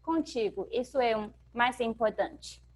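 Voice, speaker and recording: Chinese lady w/ accent, high voice, talks real slow and soft. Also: rough recording. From China. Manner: brief, soft replies, laughs often. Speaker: guest giving testimony.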